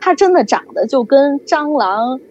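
A woman telling a story in casual chat, lively and acting out the people she quotes. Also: sits high, normal speed, slight background noise. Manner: animated storytelling, acts out quoted voices. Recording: dull lo-fi recording.

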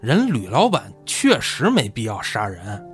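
A man's voice: mid-range voice, wildly swooping pitch, measured pace, soft background music. An actor playing a sly, fawning older village man in a Chinese radio drama, placating and protesting.

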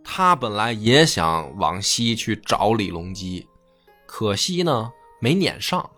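A man's voice: lowish voice, sing-song, takes it slowly, pushed and bright, soft background music. A man telling history in a colloquial, slangy way. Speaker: history storyteller. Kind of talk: casual storytelling chat.

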